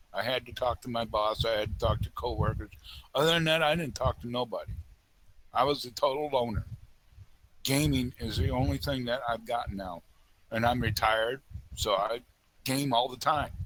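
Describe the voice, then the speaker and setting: A man at a medium pitch talks at a moderate pace with ordinary pitch variation, leaving long, frequent pauses. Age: 60s. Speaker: gamer sharing life story. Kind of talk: testimony.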